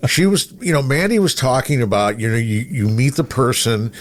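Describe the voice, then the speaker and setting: A middle-aged man chatting casually as a podcast host, telling anecdotes in a rambling, animated way. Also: medium pitch, normal speed. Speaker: podcast host, veteran radio broadcaster. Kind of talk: casual interview chat with anecdotes. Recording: clear background noise.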